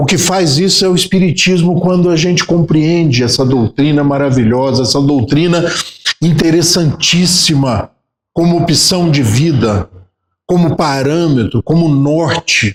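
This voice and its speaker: A normal speaking voice: a man with a fairly high pitch, talking at a fairly slow pace. His loudness stays very even and his pitch varies in an ordinary way. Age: 60s. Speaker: spiritist lecturer. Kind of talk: lecture.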